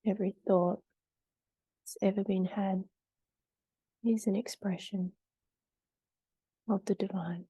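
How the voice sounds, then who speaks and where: Soft, very mellow woman guiding meditation. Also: medium pitch, steady tone, breathy edge, no room sound. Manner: gentle, unhurried, soothing delivery with long pauses. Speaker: meditation guide. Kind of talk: guided meditation.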